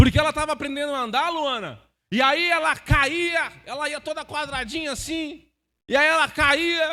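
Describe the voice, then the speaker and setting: Recorded very cleanly against a silent background, a man with an extremely high pitch and a bright, sharp tone projects a raised voice at a fairly slow pace, sounding animated, with ordinary pitch variation. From Brazil, Piauí. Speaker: pastor. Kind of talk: sermon.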